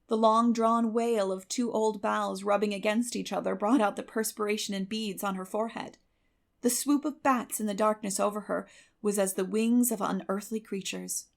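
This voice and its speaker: A woman narrating a children's classic audiobook in a dramatic, expressive and measured storytelling manner. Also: mid-range voice, creaky.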